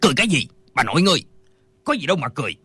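A swaggering officer voiced by a woman, dropping well below her own pitch into a husky, dark growl. He barks and blusters at everyone in his way, the sound close and dry. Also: sing-song, moderate pace, dry recording, exaggerated voice. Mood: scornful. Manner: barking, blustering orders. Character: arrogant bullying male military officer.

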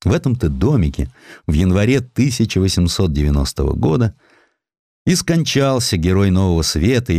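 A man narrating historical essays from a script in an expressive storytelling way, with ironic, conversational asides. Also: low voice, no echo. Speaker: audiobook narrator. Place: studio.

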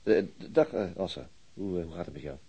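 Shy awkward detective, husky voice, stumbles over words. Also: male voice, sits low, brisk, warm tone, highs cut off, heavily acted. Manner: hesitant, stammering. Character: awkward, hesitant male police detective. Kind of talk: radio play acting.

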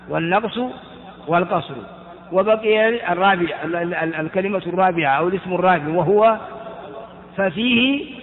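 A man teaching a grammar lesson slowly and deliberately, putting questions to his class and answering them himself. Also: sits high. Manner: slow and deliberate, repeating key terms. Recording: tinny phone-like audio in a reverberant hall.

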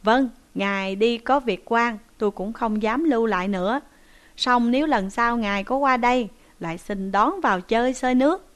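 A woman's voice: on the high side, normal speed, natural voice. A woman voicing a shrewd, stern male village headman who speaks in a commanding, scolding way. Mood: courteous.

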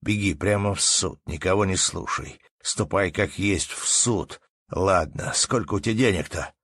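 A stout, hot-headed peasant, voiced by a male narrator, pressing his point in a low, slow, firm voice with rustic phrasing. It sounds like a storybook, recorded dry. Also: a bit bright, slightly rough, dry recording, full character voice. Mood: heated. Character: stout middle-aged peasant man, fiery.

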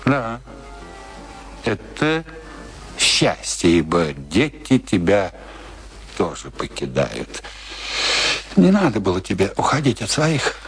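An actor in a radio play playing an older, embittered husband who grumbles and philosophizes in a brooding, theatrical way. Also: male voice, fairly low pitch, huge pitch swings, takes it slowly, pauses often, breathy edge, faint music behind, exaggerated voice.

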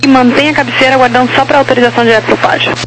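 A woman's voice: high voice, steady tone, rapid-fire, faint music behind. A Brazilian woman working as an air traffic controller, giving instructions over a crackly radio transmission. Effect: aviation radio transmission. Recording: noisy crackly aviation radio.

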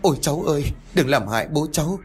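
A man voicing a terrified old village woman who pleads and panics in a rushed, breathless way. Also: mid-range voice, expressive, faint music behind, close to an everyday voice. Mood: pleading terror. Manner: frantic, pleading, breathless rush.

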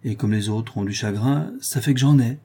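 A man's voice: mid-range voice, normal speed, breathy edge. A man reading an audiobook aloud, voicing a cheerful, talkative young Parisian seamstress. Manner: lively, affectionate, talkative.

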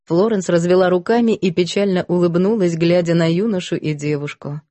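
Audiobook narrator, woman; measured, low, mellow, dry studio sound. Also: no echo. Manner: even, measured storytelling. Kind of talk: scripted narration.

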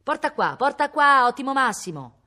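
An eager young boy calls out and urges his dog on, earnest and insistent, as a woman reader puts him on. The voice sits well above her own low register, with a lively, lilting rise. It comes from a storybook reading. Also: moderate pace, exaggerated voice. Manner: urging, calling out.

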